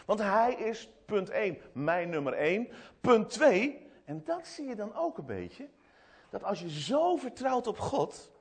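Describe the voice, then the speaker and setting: A man giving an animated children's sermon in church, retelling a story with many restarts and asides. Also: high voice, unhurried, husky. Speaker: preacher speaking to children.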